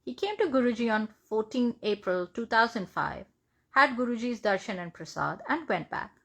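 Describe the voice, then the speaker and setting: A woman reading a written first-person testimony aloud in measured phrases. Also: on the high side, lively intonation, fairly bright tone. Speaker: reader of devotional testimonies.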